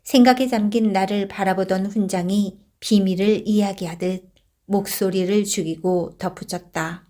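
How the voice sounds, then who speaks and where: A woman reading a story aloud in a calm, soft-spoken narration. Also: medium pitch, normal speed. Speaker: storybook reader.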